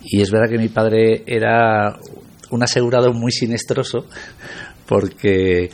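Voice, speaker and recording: A man's voice: lowish voice, steady tone, a little slow. A middle-aged man from Spain, a guest on a radio interview, talking reflectively with many hesitations.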